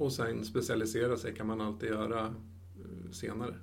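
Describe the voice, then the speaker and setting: Amid audible room echo, a man speaks at a moderate pace in a medium pitch. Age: 40s. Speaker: software developer. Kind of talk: interview.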